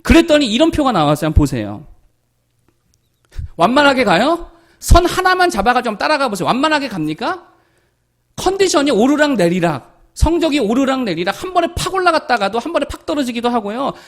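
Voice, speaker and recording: A male pastor delivering a sermon with a notably high voice that swings widely in pitch. He preaches emphatically, firing rhetorical questions at the congregation and answering them himself. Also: very animated, fairly quick.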